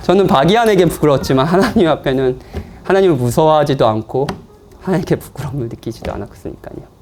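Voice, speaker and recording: A male pastor delivers a sermon in church, talking to his congregation as if in conversation. His voice rises and falls with animated, expressive swings, and he teases his listeners lightly as he goes. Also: on the high side, fast, a little hiss or hum. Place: church, afternoon service.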